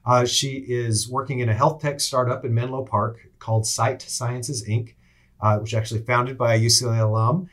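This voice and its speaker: A man's voice: medium pitch, steady tone, normal speed, a bit bright. A middle-aged man, an assistant dean, hosting and introducing a guest on a university interview podcast, speaking enthusiastically with frequent fillers.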